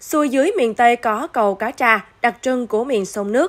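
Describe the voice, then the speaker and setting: In a very clean recording with a silent background, a woman with a plain, everyday voice speaks fairly slowly at a fairly high pitch, her intonation lively. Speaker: news presenter. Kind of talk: news reading.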